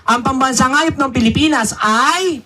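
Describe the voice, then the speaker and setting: A man's voice: very high-pitched, normal speed, pushed and bright, a little hiss or hum. A man performing a ventriloquist comedy act for a live crowd, playing the exasperated straight man to his puppet.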